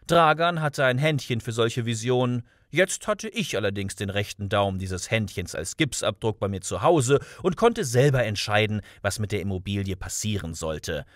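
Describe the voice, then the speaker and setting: A man's voice: on the low side, no echo. A man narrating a first-person audiobook in a dry, matter-of-fact storytelling manner. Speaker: audiobook reader.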